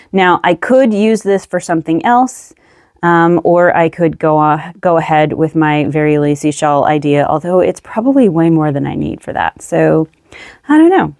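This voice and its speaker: A woman's voice: lowish voice, darkish tone, no echo, clean studio sound. A woman vlogging casually at a table, musing aloud about her yarn, slightly out of breath, with many ums. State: a little out of breath. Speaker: craft vlogger. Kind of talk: casual show-and-tell chat.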